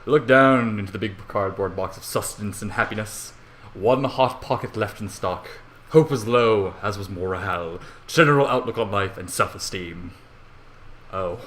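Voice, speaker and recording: A man's voice: lowish voice, normal speed, a bit bright. A young man reading fan fiction casually as an amateur narrator, with rambling, self-deprecating asides and swearing. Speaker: amateur story reader. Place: bedroom at home.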